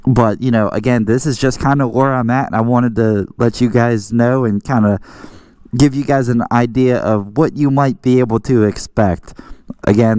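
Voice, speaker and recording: A man's voice: lowish voice, a little mellow, clear, resonant tone, dry recording. An American man talking casually as a motorcycle vlogger, explaining things in an informal, rambling way and often correcting himself. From southwestern Pennsylvania, US. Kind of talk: casual explanatory vlog talk.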